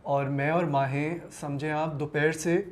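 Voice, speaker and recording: A man's voice: fairly high pitch, flat delivery. A male actor in an interview, recounting a shoot earnestly and mixing two languages. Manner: earnest, mixing Urdu and English. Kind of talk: casual interview chat.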